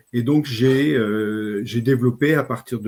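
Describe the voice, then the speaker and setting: Intonation stays fairly even as a man speaks at a medium pitch. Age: 60s. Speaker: genealogist and author. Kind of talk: interview. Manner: halting, many hesitations.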